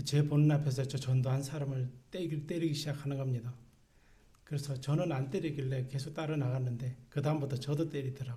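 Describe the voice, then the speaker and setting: A man's fairly high, somewhat breathy voice in a dark, mellow tone, with monotone, flat intonation, a fairly quick pace and audible room echo. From Gangwon Province, South Korea (Gangneung). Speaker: pastor. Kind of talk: sermon. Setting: church. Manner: casual, humorous storytelling.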